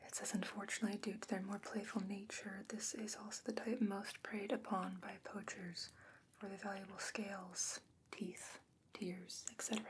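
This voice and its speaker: A woman playing a gentle, patient fantasy scholar who defends merfolk, speaking in a hushed, measured, explanatory way in a whispered ASMR roleplay. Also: mid-range voice, flat delivery, a little hiss or hum, lightly acted, poor audio. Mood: calm, studious.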